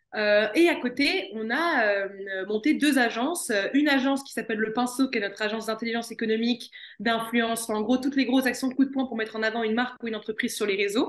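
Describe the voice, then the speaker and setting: Talking at a very fast pace, a woman has a fairly high pitch and ordinary pitch variation. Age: 20s. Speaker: entrepreneur and media founder. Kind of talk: podcast interview.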